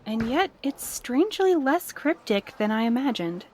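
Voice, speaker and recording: An actress playing a considerate, soft-hearted postal colleague in an audio drama, gentle and earnest. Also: female voice, a little high, sing-song, moderate pace, a little hiss or hum.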